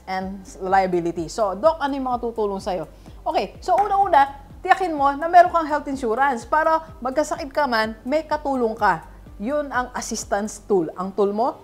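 A Filipino woman, a financial coach, giving a motivational talk in a chatty way and often checking in with her listeners. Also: on the high side. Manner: lively, chatty, rhetorical "di ba?" and "alright?" checks.

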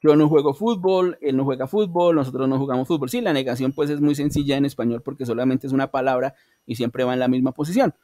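A man's voice: medium pitch, fast, warm tone, dry recording. A man with a Colombian accent teaching an English class online, explaining step by step and checking in with his students. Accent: Colombian Spanish. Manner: patient, explains step by step, often asks "¿sí?".

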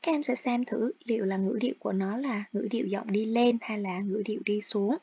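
Female teacher, online lesson narration, patient and direct, slightly husky, lo-fi sound. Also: mid-range voice, brisk, darkish tone, dry recording. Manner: explains patiently, addressing students directly. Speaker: English teacher.

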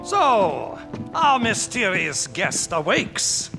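A wise old survivor in a game cutscene, grave and probing. He speaks slowly and deliberately, his fairly high voice swooping expressively as he measures each phrase. Music swells clearly behind him. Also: wildly swooping pitch, exaggerated voice. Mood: grave, courteous. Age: older. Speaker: game character actor. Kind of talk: dramatic video game cutscene acting.

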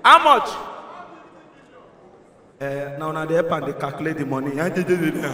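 A young man with a Nigerian accent performing an animated stand-up set on a handheld mic, shouting punchlines in Pidgin. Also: a little high, moderate pace. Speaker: stand-up comedian. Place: large concert hall stage. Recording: echoey hall, crowd faintly behind.

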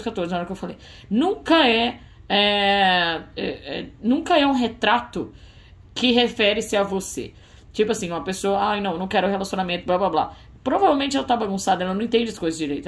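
A woman giving a casual tarot reading, soft and musing, with frequent fillers. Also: mid-range voice, animated, a little fast. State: tearful. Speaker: tarot reader.

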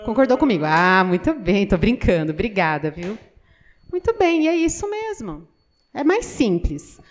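A Brazilian woman voicing a deaf pastor's sermon in an animated way, asking the audience many questions and acting out what people say. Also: mid-range voice, normal speed. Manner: acts out quoted everyday voices. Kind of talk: interpreted sermon.

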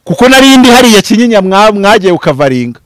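A man in his thirties from Rwanda, a pastor speaking in an impassioned, preaching style, swinging from loud bursts to low murmurs. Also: sing-song, fast talker, no room sound. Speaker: pastor and prophet. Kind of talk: animated preaching-style interview talk. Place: outdoors before green foliage. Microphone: handheld mic held close.

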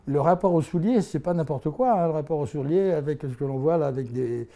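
A man's voice: fairly high pitch, a little fast, dark tone. A man in his eighties from the Haut-Morvan, telling his life story in a filmed interview, rambling and self-mocking, laughing often and restarting his phrases. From Haut-Morvan, France. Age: 80s. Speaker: interviewee, anthropologist. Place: office with bookshelves, indoors. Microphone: lapel mic.

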